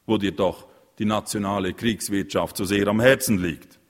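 A man acts out a decisive mother in an audiobook, pitched up and firm. She gives orders without room for argument. A long reverb trails each line. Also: fairly even intonation, normal speed, natural voice. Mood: commanding. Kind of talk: audiobook reading.

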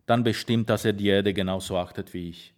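A man's voice: on the low side, steady tone, brisk, close to an everyday voice. A man reading a grave old farmer. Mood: earnest. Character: old male farmer, earthy and devoted. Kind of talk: audiobook reading.

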